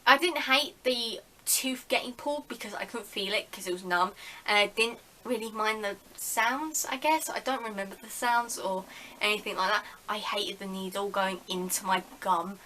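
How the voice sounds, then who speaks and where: A woman's voice: medium pitch, normal speed, pushed and bright, slight background noise, low-quality recording. A woman telling a story in a casual vlog, chatty and full of "like". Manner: chatty, heavy use of "like", acts out dialogue. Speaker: vlogger.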